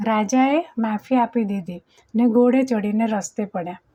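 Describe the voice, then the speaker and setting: A woman narrating a storybook chapter aloud, slowing down to voice the characters in the dialogue. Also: on the high side, warm tone. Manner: slows down and voices characters in quoted lines. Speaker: audiobook narrator. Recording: dull lo-fi recording.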